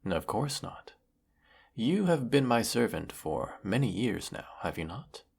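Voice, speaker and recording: An actor playing a weary, menacing galactic emperor in a sci-fi audio roleplay, speaking with pompous, theatrical formality. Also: male voice, very animated, a little slow, a little mellow, full character voice. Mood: softened, teasing. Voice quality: low, gravelly. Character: weary, menacing galactic evil emperor, secretly fond of servant. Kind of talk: scripted audio roleplay monologue.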